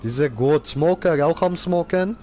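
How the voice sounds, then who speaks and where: A man's voice: fairly high pitch, a little slow, mellow, a little hiss or hum. A man giving casual live gaming commentary in clownish, slangy broken grammar, as a streamer. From Switzerland. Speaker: game streamer.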